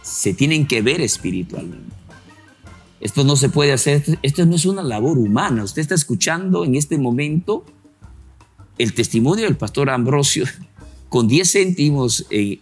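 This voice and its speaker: A man's voice: medium pitch, lively intonation, moderate pace, slightly rough, faint music behind. Preacherly male Christian TV host. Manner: preacherly, reflective, quotes scripture. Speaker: interviewer of a Christian TV program. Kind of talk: sermon-like interview commentary.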